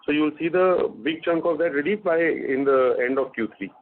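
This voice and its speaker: A man with an Indian accent answering investor questions as a company executive on an earnings call, in measured, slightly hesitant phrasing. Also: a little high. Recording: narrowband phone conference line.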